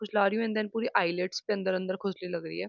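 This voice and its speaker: Her intonation stays monotone and flat as the woman speaks at medium pitch. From Uttarakhand, India. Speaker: vlogger. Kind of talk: casual vlog.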